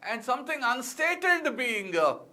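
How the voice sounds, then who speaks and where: Lively Indian-accented male lecturer. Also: very high voice, unhurried. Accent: Indian English. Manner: emphatic, lively, with many fillers and repeated key words. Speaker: civil services exam teacher. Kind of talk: classroom lecture.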